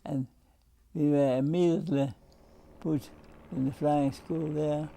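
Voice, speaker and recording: An older former pilot, recalling wartime in slow, broken phrases. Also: male voice, a little high, steady tone, gravelly, mellow, a little hiss or hum. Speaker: veteran pilot interviewee. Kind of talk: interview recollection.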